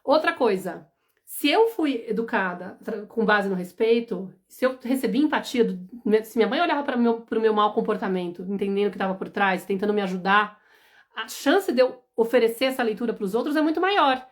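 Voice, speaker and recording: A woman, a parenting educator giving an animated, emphatic live-stream talk and often checking in with her listeners. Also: a little high, brisk.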